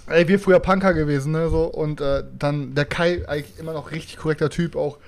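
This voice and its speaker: Ein Mann in lockerer Podcastrunde spricht begeistert und umgangssprachlich. Seine Stimme liegt etwas höher. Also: male voice, fairly high pitch, steady tone, fast, vocal fry, darkish tone. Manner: slangy, enthusiastic, many fillers. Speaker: podcast co-host. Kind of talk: casual chat.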